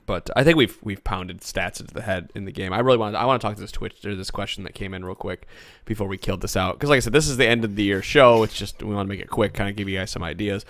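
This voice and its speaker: A man's voice: on the low side, quick pace, fairly bright tone, no echo. A man hosting a casual gaming podcast, his voice worn from a cold, coughing now and then. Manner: reads listener questions aloud, coughs. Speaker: podcast host.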